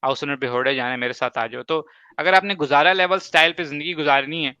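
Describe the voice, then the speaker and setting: A man whose first language is Urdu hosts a casual advice talk. He speaks emphatically and leans on examples and quick asides. His voice is bright and slightly high, recorded dry and a little dull. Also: clean tone, no room sound. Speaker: host.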